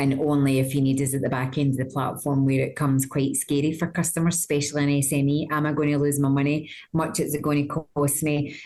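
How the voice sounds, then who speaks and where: Speaking at a very fast pace with hardly any pauses, a woman with a slight Scottish accent has a very deep, low pitch, a dark, mellow tone and very even loudness. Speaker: company founder and CEO. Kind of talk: interview. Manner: animated.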